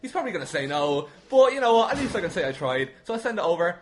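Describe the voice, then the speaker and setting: A young Irish man tells anecdotes as a podcast guest in an animated, self-deprecating way. He talks very quickly in a slightly high voice and swears casually. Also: a little hiss or hum. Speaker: podcast guest, wrestling commentator.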